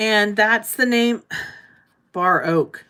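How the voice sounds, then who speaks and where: In a Pittsburgh accent, a woman with a bright, sharp tone speaks at a very slow pace. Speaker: card-making crafter. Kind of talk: live stream craft demo. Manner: casual, hesitant with fillers.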